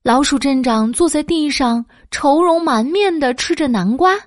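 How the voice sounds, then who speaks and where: A woman narrating a children's story in an expressive storytelling tone. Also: high-pitched, moderate pace, no echo, clean studio sound.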